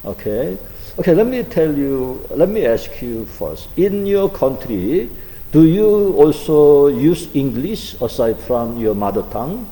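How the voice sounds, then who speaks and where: A man lectures in a slow, halting way, often pausing on fillers as he explains. His voice is deeply dark and mellow. The recording carries a long, hall-like reverb. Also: big pitch swings. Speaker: Korean language teacher. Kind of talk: online class lecture.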